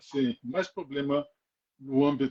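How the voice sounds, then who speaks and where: A man's fairly high voice at a very slow pace. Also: dry, close sound with no echo. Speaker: public speaker who stutters. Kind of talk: live panel discussion. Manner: repetitive, halting.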